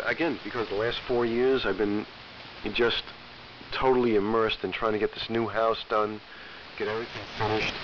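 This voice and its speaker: An American man, middle-aged and getting over a cold, chatting casually and plainly as a ham radio operator over shortwave AM. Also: fairly low pitch. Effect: shortwave AM radio transmission. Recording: muffled, hissy shortwave radio reception. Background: faint static hiss.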